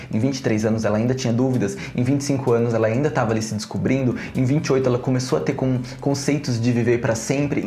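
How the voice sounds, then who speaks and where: Young man explaining eagerly in a roomy room. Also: mid-range voice. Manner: animated, gestures a lot while explaining. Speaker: video essay host. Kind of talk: casual explanatory vlog. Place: small room at home, brick wall behind.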